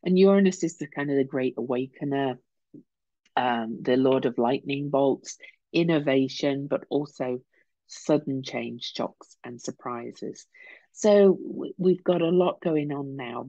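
Croaky low-key woman podcaster. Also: mellow, no echo, dull audio. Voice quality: slightly croaky throat. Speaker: astrologer, podcast host. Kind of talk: informal explanatory astrology podcast talk. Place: small home room, indoors.

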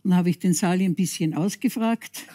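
A woman's voice: lowish voice, brisk, warm tone, no room sound. An older woman telling her story plainly and firmly as a guest on a TV talk show. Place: TV studio.

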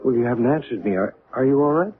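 Actor as mysterious earnest stranger, tinny radio. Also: male voice, medium pitch, lively intonation, fast, over music, close to an everyday voice. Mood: earnest, insistent. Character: short mysterious male stranger, earnest, smooth-mannered and insistent. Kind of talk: 1970s radio drama acting. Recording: narrow tinny old radio broadcast.

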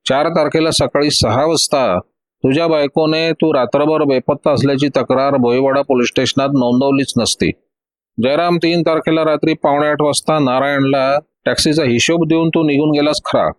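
A man's voice: on the high side, no room sound, close to an everyday voice. A man voicing a stern middle-aged police inspector who questions sharply and commandingly.

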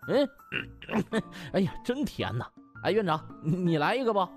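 A man's voice: sits high, sing-song, normal speed. A shameless young wise guy from a comic audiobook, acted by a male narrator. His delivery swings wildly up and down, slangy and ingratiating, with music underneath. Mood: cheeky. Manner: smirking, ingratiating, slangy, chuckling. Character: cheeky, shameless young man, a hospital slacker. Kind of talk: audiobook character acting.

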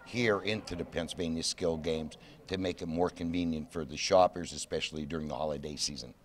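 A man in his sixties who manages a shopping mall, explaining things in an animated way into a reporter's handheld mic. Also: very deep voice, fairly quick, a little hiss or hum.

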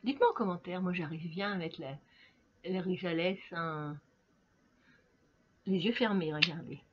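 A woman's voice: lowish voice, unhurried. Chatty tired middle-aged woman, beauty vlogger talking to camera at home, slightly dull recording with faint hiss. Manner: chatty, laughing, tired, talks to viewers directly. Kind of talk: casual makeup chat to camera.

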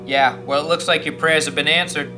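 A man's voice: on the high side, fairly even intonation, fairly quick, close to an everyday voice, poor audio. A man acting a sarcastic, taunting older brother in a radio play. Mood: sarcastic, grumbling. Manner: mocking. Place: theatre stage, live reading. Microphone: stand microphone. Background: music.

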